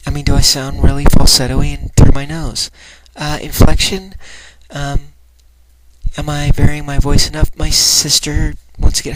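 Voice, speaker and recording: Woman, unsure and rambling, lightly breathy, a touch nasal, informal vlog delivery, heavy background noise. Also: low-pitched. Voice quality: lightened throat resonance, somewhat breathy and nasal. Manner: hesitant, self-doubting. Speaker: voice trainee asking for feedback. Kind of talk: personal vlog, rambling confession. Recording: very noisy home recording, clicks.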